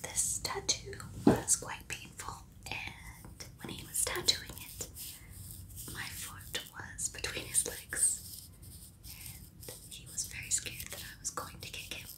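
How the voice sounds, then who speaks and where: Whispering, the woman moves at a very slow pace. Her words are broken by long, frequent pauses. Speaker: ASMR creator. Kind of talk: ASMR whispered talk to camera. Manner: whispered, soft-spoken. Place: home room.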